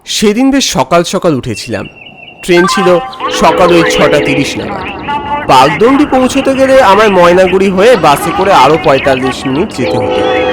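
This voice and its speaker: A man narrating a story dramatically in the first person. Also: high-pitched. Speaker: narrator and voice actor of an animated horror story.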